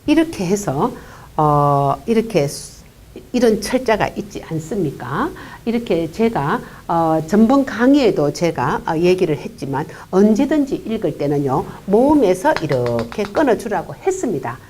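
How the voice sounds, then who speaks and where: A woman teaching English pronunciation in a lecture, explaining unhurriedly with many "uh" fillers and quietly voicing single consonant sounds. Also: lowish voice, big pitch swings, measured pace. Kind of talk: classroom-style pronunciation lecture.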